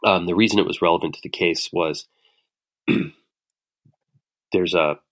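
A middle-aged man, an author being interviewed, explaining ideas in a hesitant, thoughtful way with many pauses and restarts. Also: sits low, steady tone, a bit bright. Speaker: author and guest. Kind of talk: casual spoken explanation.

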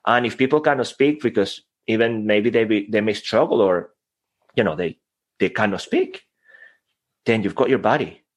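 A man's voice: fairly low pitch, moderate pace. Passionate Venezuelan-accented man. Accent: Venezuelan Spanish. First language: Spanish. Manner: passionate, animated, breaks into loud playful voices. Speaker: guest, voice coach. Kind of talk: energetic conversational interview.

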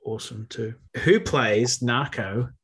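A man hosts a podcast in an easy, conversational way and laughs often with his guest. His voice sits at an ordinary middle pitch. He asks questions and shares thoughts at a relaxed pace. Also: takes it slowly, slightly rough. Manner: chatty, relaxed, laughs easily. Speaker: podcast host. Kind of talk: casual podcast chat.

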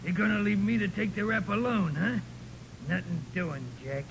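An actor playing a bitter, tough hired gunman with gravelly, slangy speech in a 1940s radio drama. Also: expressive, normal speed. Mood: bitter, threatening. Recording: noisy, rumbly 1940s radio recording.

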